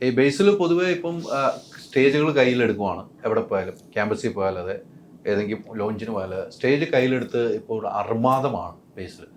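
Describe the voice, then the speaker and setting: Fast Malayali interviewer mixing in English words. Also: male voice, fairly low pitch, animated, background noise. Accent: Kerala Malayalam. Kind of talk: casual interview chat with some English words.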